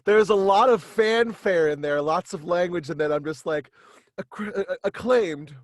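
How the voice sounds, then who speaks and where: A young man chatting casually as an interview guest, halting and rambling as he explains, on a close studio mic. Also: sits high, dry recording. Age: young adult. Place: small indoor room with acoustic padding, video call. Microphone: close studio mic, headphones.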